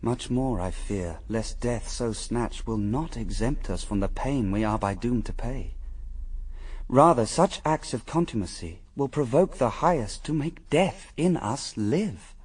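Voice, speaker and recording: An actor playing an anguished but reasoning husband, speaking formal verse gravely in a classical radio drama. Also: male voice, medium pitch, animated, measured pace, a little mellow, recorded from a distance. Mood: grave, urging. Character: Adam, the first man, anguished yet reasoning husband.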